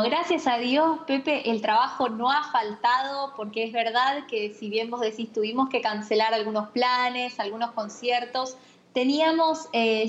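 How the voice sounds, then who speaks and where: A woman's voice: on the high side, slight background noise. Earnest young Argentine woman, muffled line. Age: 20s. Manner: warm, earnest, faith-filled talk. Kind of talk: interview answers.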